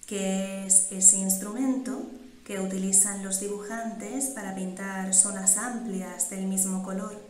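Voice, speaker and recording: A woman guiding a meditation in calm, measured instructions with pauses between phrases. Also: mid-range voice. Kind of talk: slow, soothing guided meditation. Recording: roomy, echoing sound.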